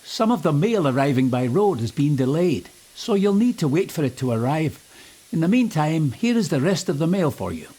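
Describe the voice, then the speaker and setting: A man's voice: fairly high pitch, big pitch swings, normal speed, dark tone, breathy edge. A man voicing a polite, earnest railway station master in a children's storybook.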